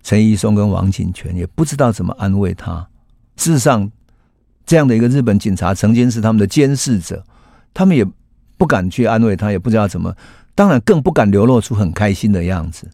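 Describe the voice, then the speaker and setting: A man, hosting a historical storytelling podcast in an unhurried, reflective way. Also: lowish voice, expressive, creaky, warm tone, no room sound, clean studio sound. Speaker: host and storyteller.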